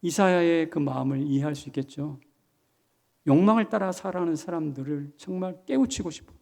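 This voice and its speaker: A man's voice: on the high side, a little fast, vocal fry, a little mellow. A man, a senior pastor, preaching a sermon emphatically and putting questions to the congregation. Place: church sanctuary.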